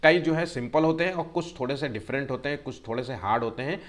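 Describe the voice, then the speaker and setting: A man teaching a Hindi grammar exam-prep lesson, constantly using fillers, checking in with his students and drawing words out slowly to spell them. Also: mid-range voice. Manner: tells students to take care and keeps checking "theek hai".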